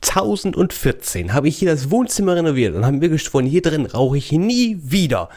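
A man's voice: on the high side, sing-song, a little fast, darkish tone. A man co-hosting a casual podcast, playfully reading quiz questions with theatrical flair. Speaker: podcast co-host, quizmaster.

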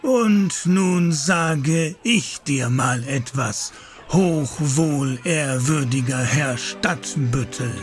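Medieval priest, extremely slow, measured, calm authority, faint music behind, radio play. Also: male voice, fairly high pitch. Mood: calm, admonishing. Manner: measured, gently admonishing. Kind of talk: German radio play dialogue.

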